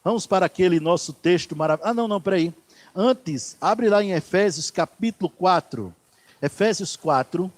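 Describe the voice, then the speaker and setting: A pastor preaching a sermon in church, swinging from loud declarations to hushed asides. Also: male voice, sits high, normal speed.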